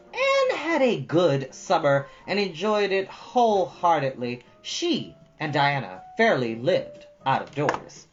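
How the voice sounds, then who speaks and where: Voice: mid-range voice, muffled recording. A storytime host speaking to children, moving between earnest, preachy casual asides and storybook reading, repeating points for emphasis.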